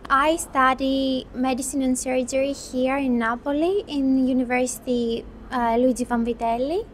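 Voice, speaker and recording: Young Greek woman, high voice. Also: steady tone, a little hiss or hum. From Greece. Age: 20s. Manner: thoughtful, unhurried, with restarts. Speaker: medical student. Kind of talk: interview.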